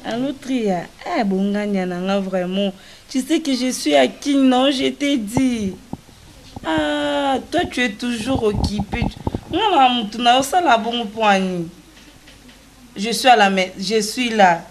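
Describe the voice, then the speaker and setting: A woman's voice: a little high, takes it slowly, gravelly, rough recording. A young woman with a Congolese French accent, acting an affectionate partner in a TV drama, chatty and soothing. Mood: cheerful. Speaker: wife in a drama series.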